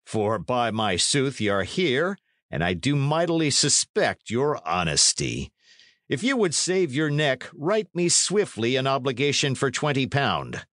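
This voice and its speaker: A man plays a lordly knight from a historical storybook, dry and coldly mocking. He speaks slowly and with menace, giving commands in archaic phrases, the pitch moving widely. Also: very animated, fairly bright tone, no room sound. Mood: cool, mocking.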